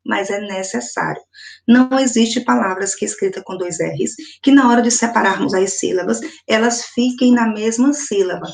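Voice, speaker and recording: A woman with a Brazilian accent teaching a first-grade video lesson, speaking slowly and emphatically and repeating each example word. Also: medium pitch, gravelly. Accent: Brazilian Portuguese. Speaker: primary school teacher.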